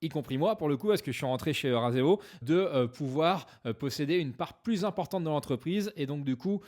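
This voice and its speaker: Talking fairly quickly, a French-speaking man on YouTube explains stock investments casually, with frequent hesitations, plenty of "euh," and jokes about his English accent. His voice runs on the high side, a little mellow, with lively intonation.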